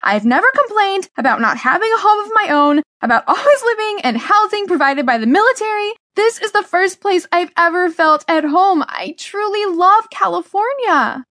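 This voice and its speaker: An upset sixteen-year-old girl, as acted by a woman narrator, in an audiobook. Her voice sits high and comes out emotional and emphatic, full of hurt protest. The sound is dry and close. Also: expressive, unhurried, pauses often, dark tone, no echo. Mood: yelling, anguished. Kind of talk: audiobook character dialogue.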